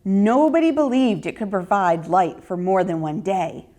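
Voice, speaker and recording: A woman reading a children's story in an expressive, deliberate narrating style. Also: mid-range voice.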